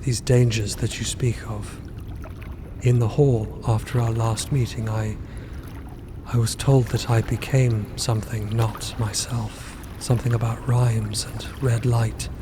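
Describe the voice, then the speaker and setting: An actor playing a hesitant, questioning grandchild adventurer in an audio drama, speaking plainly and earnestly. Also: male voice, medium pitch, level tone, a little slow, noisy background, lightly acted.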